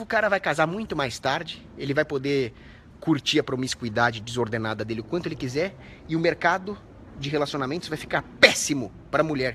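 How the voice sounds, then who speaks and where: Fiery ranting Brazilian man, bright voice. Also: medium pitch, a little hiss or hum. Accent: Brazilian Portuguese. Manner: ranting, indignant, profane; shouts out viewers' names. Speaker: livestream host. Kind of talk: live commentary reading viewer comments.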